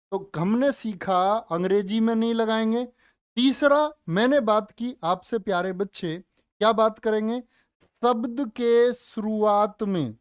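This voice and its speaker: A man's voice: high voice, clear, resonant tone, dry recording, clean studio sound. A man teaching a grammar class online, coaxing and repeating questions to his students. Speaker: Hindi teacher.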